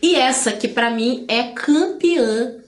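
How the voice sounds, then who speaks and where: A Brazilian woman teaching a grammar lesson, explaining in a chatty way and stretching words slowly to stress them. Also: fairly high pitch, roomy sound.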